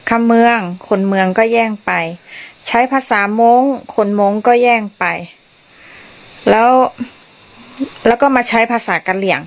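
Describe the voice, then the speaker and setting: A woman whose first language is Lawa, from northern Thailand, giving a chatty, friendly language lesson with polite endings. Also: fairly high pitch. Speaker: language teacher vlogger. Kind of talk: casual vlog lesson.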